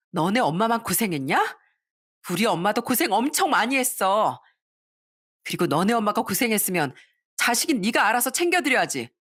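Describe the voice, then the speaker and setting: A woman voicing her own younger self as a furious wife, shouting sharply at her in-laws in a storybook drama. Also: on the high side, voice pushed up.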